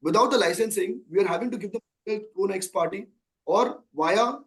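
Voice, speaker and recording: A man's voice: high voice, fast. An Indian-accented man in his thirties, a company chief executive answering questions on an earnings call at length, emphatically, with rhetorical questions.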